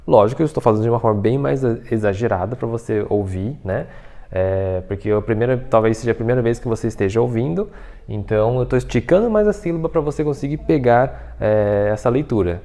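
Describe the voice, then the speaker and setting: Man, patient video-lesson teacher, gravelly fry in his voice, mid pitch. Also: a little fast, dark tone. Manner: explains patiently, many fillers like "tá?" and "né?". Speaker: Mandarin teacher.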